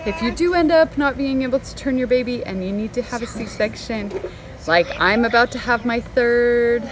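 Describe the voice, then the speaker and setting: A pregnant woman in her thirties chatting casually in a family vlog, lively with her kids. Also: fairly high pitch, normal speed, noisy background. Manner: chatty, animated with children. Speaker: family vlogger.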